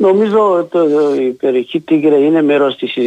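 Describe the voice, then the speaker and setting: The man's intonation is lively as he talks at a moderate pace. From Ethiopia. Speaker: community activist and mechanical engineer. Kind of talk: radio interview. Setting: phone call. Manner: halting.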